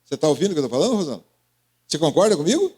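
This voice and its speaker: A man's voice: a little high, very animated, rapid-fire, mellow, slightly rough. A Brazilian man preaching as pastor, calling on congregation members by name with questions and teasing. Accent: Brazilian Portuguese. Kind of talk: interactive sermon.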